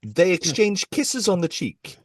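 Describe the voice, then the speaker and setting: A man's voice: high voice, very animated, unhurried, no echo, heavily acted. A man playing the narrator of an audio play, describing the action as scripted narration. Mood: descriptive.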